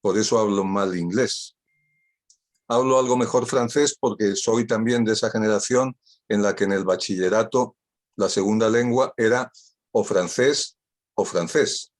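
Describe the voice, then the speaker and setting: This guest speaker is an older man from Spain, a native Catalan speaker, giving an online talk by video call. His voice sits on the low side and moves at an unhurried pace, while his wit runs ironic and he repeats key phrases for emphasis.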